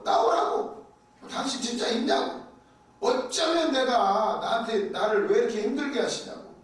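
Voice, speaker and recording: A man teaching a Bible class in a conversational church style, chatty and animated, often acting out quoted prayers. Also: high voice. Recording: very echoey room, voice from a distance.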